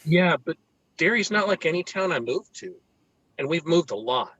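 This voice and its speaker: Guy reading a nerdy earnest new kid in a table read, bit high, raspy, hesitant. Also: expressive, normal speed, a bit bright, no room sound, lo-fi sound. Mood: guarded, earnest. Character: earnest, awkward bookish new-kid boy. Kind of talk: amateur screenplay table read.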